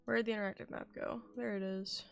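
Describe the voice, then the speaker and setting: A young woman chats casually while streaming a game. Her voice is mid-pitched with plenty of fry, and she rambles as she thinks aloud. Game music plays softly behind her. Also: fairly even intonation, fast. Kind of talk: casual live gameplay commentary.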